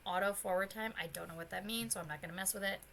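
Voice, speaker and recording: Chatty, bright-voiced young woman streamer. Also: medium pitch, racing, slight background noise. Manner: chatty and rambling, with bursts of excited squealing. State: slightly hoarse, voice still recovering. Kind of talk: casual let's-play chat. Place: home streaming setup.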